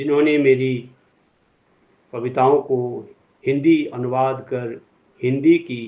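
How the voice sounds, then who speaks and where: Fairly even in intonation, a man's medium-pitched voice carries a dark, mellow tone. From Sikkim, India. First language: Nepali (speaking Hindi). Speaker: poet. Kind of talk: formal address at online poetry reading. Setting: online event. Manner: formal; halting.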